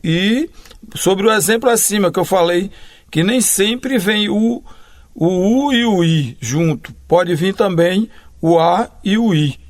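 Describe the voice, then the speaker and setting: Slow, deliberate male grammar teacher. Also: high voice. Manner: slow, deliberate, spells out letters and pauses between phrases; asks and answers his own questions. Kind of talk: recorded classroom lesson.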